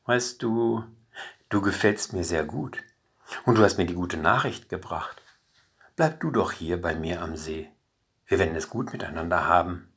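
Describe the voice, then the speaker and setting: A male storyteller voicing a young woman in a fairy tale, soft and gentle, in his own slightly lowered voice. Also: expressive, normal speed, creaky, slightly rough, exaggerated voice.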